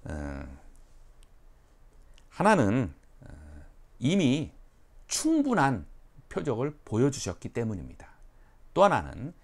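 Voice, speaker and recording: A male pastor preaching a sermon for an online church, animated and acting out quotes. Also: medium pitch, slow, long pauses. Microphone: online sermon recording.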